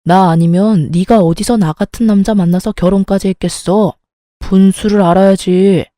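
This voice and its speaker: A woman's voice: medium pitch, fairly even intonation, normal speed, mellow, no echo, clean studio sound, close to an everyday voice. A woman voicing an arrogant, entitled young husband who talks down in a blustering way. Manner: condescending, blustering.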